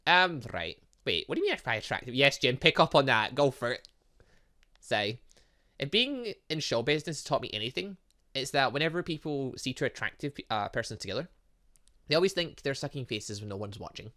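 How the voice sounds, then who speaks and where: A man's voice: mid-range voice, very animated, fairly quick, sharp tone. A man reading visual novel dialogue aloud as a gaming host, breaking off into casual asides and exclamations.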